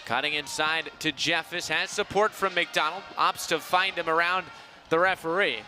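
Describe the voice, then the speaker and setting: A man's voice: fairly high pitch, fairly even intonation, moderate pace, bright, forceful tone, soft background music. A man calling live soccer play-by-play as the announcer.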